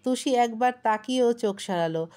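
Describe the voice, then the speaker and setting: A woman's voice: a little high, normal speed, clean tone. Young woman reading a romance story. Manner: expressive storytelling. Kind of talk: scripted narration.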